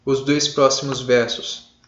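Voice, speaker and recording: A man's voice: medium pitch, little pitch movement, unhurried, a little hiss or hum. Brazilian male teacher, laid-back lecture, echoey room, muffled lo-fi mic. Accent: Brazilian Portuguese. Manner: casual, many fillers, checks in with "beleza?"; jokey shouted examples. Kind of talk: online class lecture. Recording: roomy, dull lo-fi sound.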